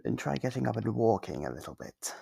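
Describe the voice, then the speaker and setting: A man's voice: lowish voice, very animated, a little fast, mellow, exaggerated voice. A man voicing a sadistic, playful monster holding human prey captive, menacing and theatrical as he muses aloud in an ASMR horror roleplay. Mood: musing, pleased. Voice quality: gravelly, husky.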